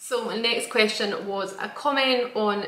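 With a Scottish accent, a woman talks at a fairly high pitch with ordinary pitch variation, and the room echo is audible. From Scotland. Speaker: vlogger. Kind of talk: casual Q&A vlog monologue. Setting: at home. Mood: relaxed, a bit laughing. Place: home room. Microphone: camera far.

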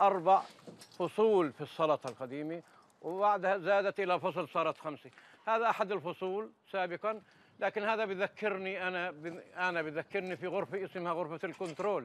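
A man's high-pitched voice at a moderate pace, with ordinary pitch variation and a dry sound with no echo. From Palestine, West Bank (Anabta, Tulkarm area); Palestine. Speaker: retired Arabic teacher. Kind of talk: interview, life story.

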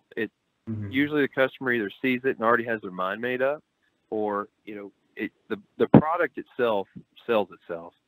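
Lively intonation marks this man's speech at a medium pitch. He talks at a fairly quick pace. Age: 30s. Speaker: blind manufacturer, business owner. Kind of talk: casual interview.

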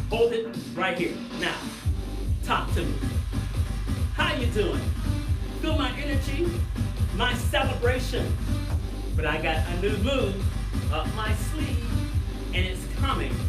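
Loud music plays behind a man who speaks at a fairly slow pace with long, frequent pauses. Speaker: fitness instructor. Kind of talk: workout instruction. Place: studio.

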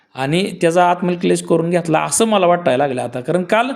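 A man's voice rises and falls through very wide pitch swings. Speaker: water rights activist. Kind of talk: interview.

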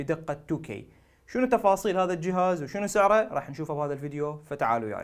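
A man with an Iraqi accent at a fairly quick pace, ordinary pitch variation, over a quiet background. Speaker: tech reviewer. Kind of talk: product review. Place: studio. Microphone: lapel.

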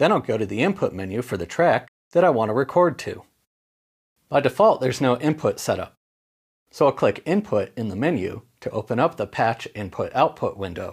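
On a very clean recording with a silent background, a man with a medium pitch speaks somewhat breathily with very wide pitch swings. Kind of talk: scripted tutorial narration, with a brooding noir-style voiceover sample. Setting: screen-recorded tutorial. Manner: clear, even and instructional in the rest of the tutorial.

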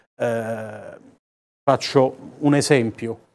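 A man with fairly even intonation. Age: 30s. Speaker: director and journalist; journalist. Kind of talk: interview. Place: studio. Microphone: lapel.

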